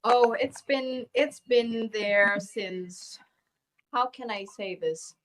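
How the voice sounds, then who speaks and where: A woman's voice: fairly high pitch, takes it slowly, fairly bright tone, slight background noise, low-quality recording. Earnest young woman from Cambodia. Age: young adult. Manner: earnest, searching for words, repeats herself. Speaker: guest, beauty queen and actress. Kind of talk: interview answers over video call. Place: video call.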